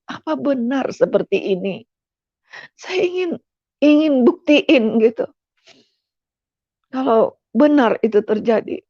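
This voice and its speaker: Gravelly-voiced middle-aged woman giving testimony. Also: a little high, mellow, dry recording. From West Sumatra, Indonesia. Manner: emotional storytelling, often addressing listeners as "Saudara". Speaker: testimony speaker. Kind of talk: personal faith testimony. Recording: dull, dry lo-fi sound.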